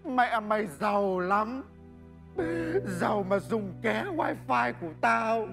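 A sarcastic neighbor. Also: female voice, fairly high pitch, takes it slowly, gravelly, over music. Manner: scolding and sarcastic. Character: generous, sharp-tongued female neighbor. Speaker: neighbor in a stage comedy sketch.

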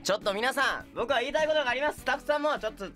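A man's voice: very high-pitched, very fast, pushed and bright, soft background music. A man as a guest in a radio studio, doing casual comic banter with a theatrical, mock-aggrieved manner. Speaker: radio guest, stage actor.

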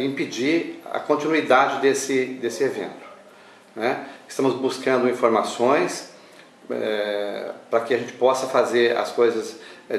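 An older man with a Brazilian accent, speaking as an association spokesman in an interview, halting between phrases and adding tag questions. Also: mid-range voice. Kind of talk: sit-down news interview. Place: small indoor newsroom office. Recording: roomy, distant mic, faint noise.

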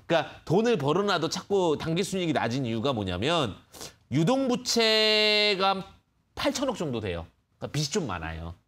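A man's voice: on the high side, sing-song, normal speed, a bit bright. A man hosting a live phone-in stock show, patiently explaining prices to callers with many fillers. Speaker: stock market expert host.

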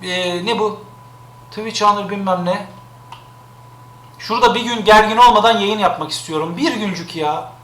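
A man's voice: high-pitched, moderate pace, long pauses, fairly bright tone, echoey room. A man streaming live, complaining in an exasperated way and repeating himself.

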